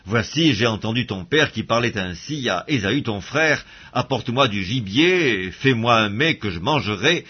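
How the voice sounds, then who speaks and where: Husky man reading scripture, dull recording. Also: medium pitch. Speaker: Bible reader.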